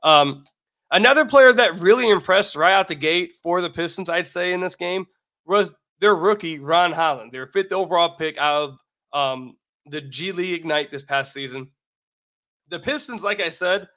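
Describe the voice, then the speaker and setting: American guy doing solo sports podcast, sharp forceful voice, kinda high, sounds sick and losing it a bit, emphatic. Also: animated, normal speed. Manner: emphatic, repeats phrases for emphasis. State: sick, losing his voice, slightly raggedy. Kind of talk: solo basketball commentary with sponsor read.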